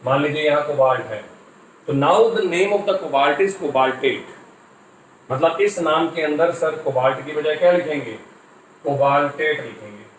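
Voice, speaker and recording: A man's voice: a little high, distant mic, a little hiss or hum. A man giving a chemistry lecture in Hindi mixed with English, explaining step by step and answering his own questions. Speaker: chemistry teacher. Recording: echoey room, voice from off-mic.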